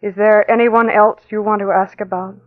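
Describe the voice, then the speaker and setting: An actress playing a cheerful hospital nurse who talks in a folksy, reassuring way, in a 1940s radio drama. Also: female voice, mid-range voice, little pitch movement, normal speed, no echo, lightly acted. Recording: tinny narrow-band 1940s radio recording.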